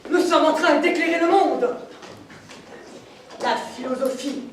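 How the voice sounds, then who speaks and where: Grandiose, declamatory poet, high voice. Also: female voice, measured pace. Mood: exalted. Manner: declamatory, emphatic, pompous. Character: grandiose, self-important poet-playwright preaching theater's glory. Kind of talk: live stage comedy acting. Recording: distant, very echoey theater recording, faint noise.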